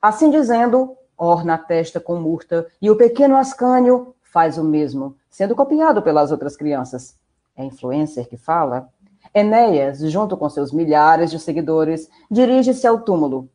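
A woman's voice: low voice, expressive, normal speed, mellow. A woman with a Brazilian accent, narrating a scripted tale in a theatrical, playful way.

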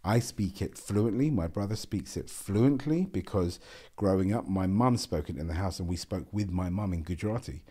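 This is a deep, mellow-voiced man with a South London accent, speaking as a podcast guest in a small studio. He talks earnestly and repeats words as he thinks. The sound is close and clean from a boom-arm mic. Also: normal speed, husky. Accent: South London English. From South London, England. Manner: earnest, repeats words, animated with hand gestures. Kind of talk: casual interview talk. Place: small bright studio room with a window. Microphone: boom-arm podcast microphone.

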